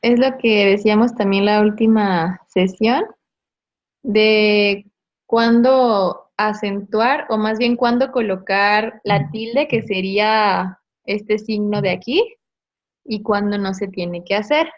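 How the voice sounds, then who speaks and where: A woman's voice: medium pitch, slow pace, lo-fi sound. A woman teacher, patiently explaining a grammar lesson step by step and checking in with tag questions. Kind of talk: online class explanation.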